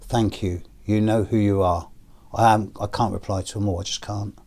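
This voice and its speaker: A hoarse British man with a deep, fairly low voice, speaking slowly and with a cough in a personal video. He is middle-aged and talks to his viewers in a measured way, with pauses and fillers. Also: fairly even intonation, a little mellow. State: hoarse and coughing after illness. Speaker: astrologer.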